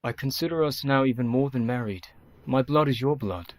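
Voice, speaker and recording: A man playing an earnest young doctor, measured and devoted, in a radio play. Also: mid-range voice, no room sound, lightly acted. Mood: tender.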